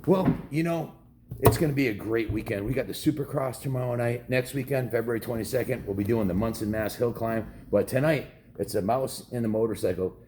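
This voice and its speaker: A middle-aged American dad hosts a story video for kids, chatting casually like a home vlog and reading a storybook aloud. His voice is medium pitched, fairly quick and a little mellow, with a slight hiss or hum in the audio.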